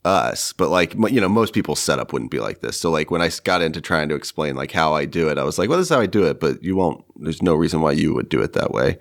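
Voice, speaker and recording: Man, deep voice, creaky smoker's rasp, wheezy from heavy smoking, casual podcast chat, halting and rambling. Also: lively intonation. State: rough and wheezy after a night of heavy smoking. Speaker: podcast co-host.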